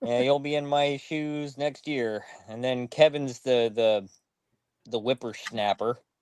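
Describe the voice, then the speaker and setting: A man with a plain, everyday voice speaks at a fairly slow pace, his pitch medium and his intonation fairly even. The sound is dry and close with no echo. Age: 50s. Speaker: podcast co-host. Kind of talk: casual chat. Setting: live stream.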